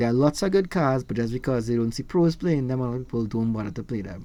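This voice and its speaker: A man with a dark, mellow tone and a Trinidadian accent speaks at a medium pitch in a sing-song way with ordinary pitch variation, on a very clean recording with a silent background. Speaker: gaming YouTuber. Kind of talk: casual channel intro monologue. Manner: sing-song intonation.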